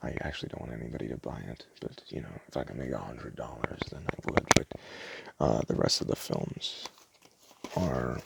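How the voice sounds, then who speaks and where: A man doing a soft-spoken ASMR roleplay as a store clerk, talking in a casual, hesitant, rambling way. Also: a bass voice, normal speed, creaky, very noisy. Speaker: ASMR creator playing a DVD store clerk.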